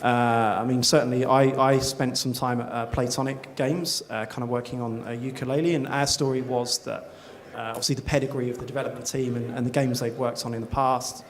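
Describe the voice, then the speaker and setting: A man's voice: medium pitch, little pitch movement, fairly quick. A man speaking on a conference panel, rambling with lots of filler sounds. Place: conference stage.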